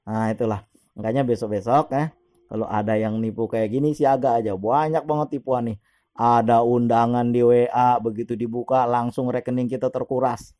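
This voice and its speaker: A man's voice: medium pitch, steady tone, moderate pace, dark tone. A middle-aged man, casually telling a personal story with frequent chuckles. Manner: chatty, laughs often while telling; opens with Islamic greetings and prayer.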